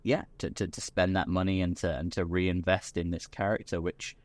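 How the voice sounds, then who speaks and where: A British man, a podcast guest, talking in a relaxed, rambling way with many restarts. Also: sits low, normal speed, dry recording. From Britain. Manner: chatty, full of restarts and repeated words. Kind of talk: casual chat.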